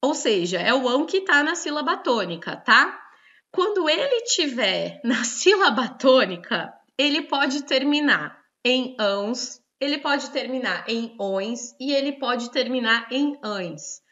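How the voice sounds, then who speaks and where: Brazilian lady teacher explaining grammar, kinda high bright voice, keeps tagging "right?", dull lo-fi sound. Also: sing-song, a little slow. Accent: Brazilian Portuguese. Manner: explanatory, frequent tag questions. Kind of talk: online grammar lesson.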